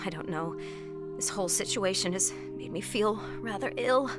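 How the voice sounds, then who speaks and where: An actress playing a genteel, anxious society hostess in an audio drama, gracious and theatrical in manner. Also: female voice, mid-range voice, normal speed, over loud music, natural voice.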